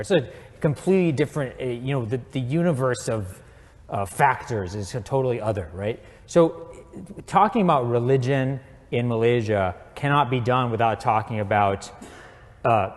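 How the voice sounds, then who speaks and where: Thoughtful man answering in a lecture hall. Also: mid-range voice. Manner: thoughtful, measured, with fillers and restarts. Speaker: guest speaker. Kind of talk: answering an audience question. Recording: long hall reverb.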